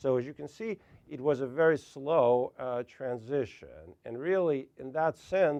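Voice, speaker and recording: His loudness swings widely while his pitch varies in an ordinary way. The man speaks with a Russian accent at a fairly high pitch. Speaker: author. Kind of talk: author talk interview. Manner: halting, many fillers.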